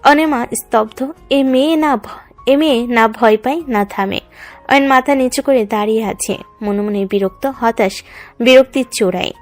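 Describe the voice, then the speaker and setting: A woman's voice: on the high side, normal speed, faint music behind. A woman reading scripted narration for a romance story in a dramatic, descriptive way.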